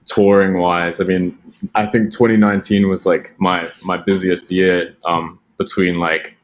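Deep-voiced man with Australian-sounding British accent. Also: little pitch movement, a little slow. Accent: British mixed with American, sounds Australian. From Britain. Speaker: podcast guest, music producer. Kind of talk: casual chat.

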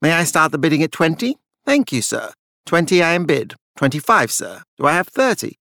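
A man's voice: a little high, very animated, fairly quick, vocal fry, pushed and bright, dry recording, clean studio sound, full character voice. A man voicing a formal, unflappable Victorian auctioneer in a gothic audiobook, calling lots and bids in a clipped manner. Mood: brisk, formal.

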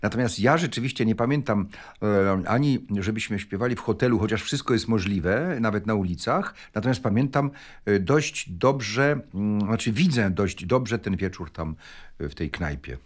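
Older man, low and very lively intonation. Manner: reflective, halting. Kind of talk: reminiscing interview.

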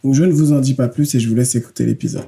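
A man hosting a podcast, reading a clear, steady intro and then chatting easily with his guest. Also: mid-range voice, very fast. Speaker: podcast host, social educator. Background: faint music under intro.

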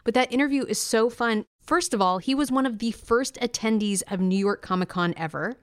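A woman's voice: on the high side, fairly quick. A woman co-hosting a chat show about comics, talking in a chatty, enthusiastic way. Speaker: co-host. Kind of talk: casual chat.

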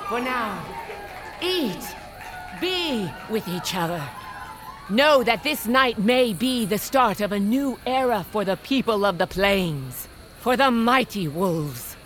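An actress playing a proud, fierce, aging tribal queen, giving solemn, deliberate oratory in an audio drama. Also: mid-range voice, lively intonation. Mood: solemn blessing. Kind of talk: dramatic audio fiction acting. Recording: loud dramatic music behind.

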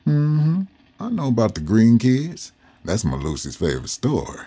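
A man's voice: mid-range voice, huge pitch swings, normal speed, warm tone, slightly rough. An older man recalling his youth in a plainspoken, folksy way for an interviewer. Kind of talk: storytelling in an interview.

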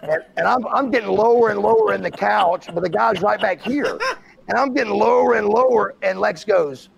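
A man's voice: high-pitched, moderate pace, gravelly, muffled recording, a crowd in the background. A middle-aged man hosting a podcast, telling stories in casual chat and acting out quotes. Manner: animated storyteller, acts out quotes. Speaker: podcast host.

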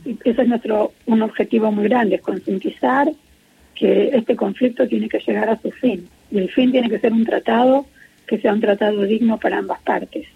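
Argentine woman on a husky, muffled line. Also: mid-range voice. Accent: Argentine Spanish. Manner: earnest, measured, many hesitations. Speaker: interviewee, peace activist. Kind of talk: phone interview on radio. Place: at home in Israel.

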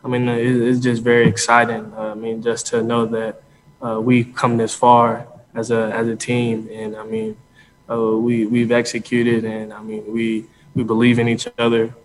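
A man, a college football player, answering reporters in a halting, earnest way with many repeated words. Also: completely flat delivery. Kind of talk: press conference answers. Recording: echoey hall with faint rumble.

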